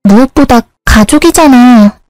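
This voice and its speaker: A woman's voice: a little high, a little slow, darkish tone, no room sound, pitched above the performer's own voice, natural voice, poor audio. A woman voicing an earnest student younger sister in a storybook narration.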